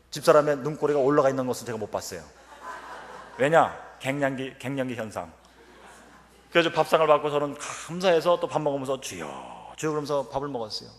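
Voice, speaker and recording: A man in his fifties giving a humorous revival-meeting sermon and telling stories with acted quotes. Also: medium pitch. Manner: animated storytelling with acted quotes. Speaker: professor speaking at a revival meeting. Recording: reverberant church hall.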